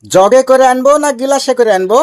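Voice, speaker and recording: Woman voicing a high-pitched, pestering cartoon husband. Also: brisk, a little mellow, close to an everyday voice. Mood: pestering, loud. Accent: Rajshahi Bengali. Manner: innocently questioning, persistent. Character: maddeningly literal, pestering cartoon husband, cheerfully obtuse. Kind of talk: comic cartoon dialogue.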